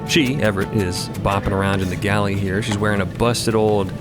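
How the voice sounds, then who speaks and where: A man's voice: on the low side, steady tone, brisk. A man narrating an audio drama in a conversational, storytelling tone. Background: loud background music.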